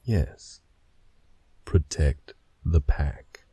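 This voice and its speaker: A man voicing a stern, protective male werewolf pack leader in a fan audio drama, with a husky, gravelly voice and a firm, measured delivery. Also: a bass voice, animated, warm tone, no echo, exaggerated voice.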